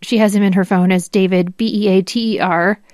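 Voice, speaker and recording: A woman hosts a podcast, reading formal legal material aloud. Her pitch is average for a woman, and she drops in brief asides. The sound is dry and free of room echo. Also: steady tone, brisk, a little mellow. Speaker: podcast host. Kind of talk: dramatic reading of legal documents.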